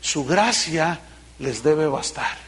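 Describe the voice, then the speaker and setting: A middle-aged man with a Mexican accent, a pastor preaching a sermon, animated, acting out quotes with humor. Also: fairly high pitch, takes it slowly. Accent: Mexican Spanish.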